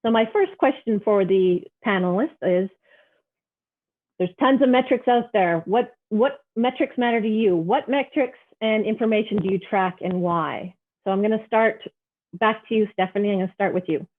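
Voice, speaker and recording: A woman's voice: mid-range voice, moderate pace. A woman moderating an online panel of wine business guests, introducing each one in a friendly way. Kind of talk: hosting a webinar. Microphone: video call. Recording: tinny phone-like audio.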